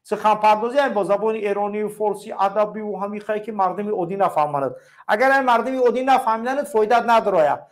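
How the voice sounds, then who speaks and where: A man with a Tajik accent hosting a call-in show, talking in an emphatic, preachy way and piling up repeated phrases. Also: high-pitched. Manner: emphatic and repetitive, stacks up parallel phrases. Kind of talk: preachy political call-in talk.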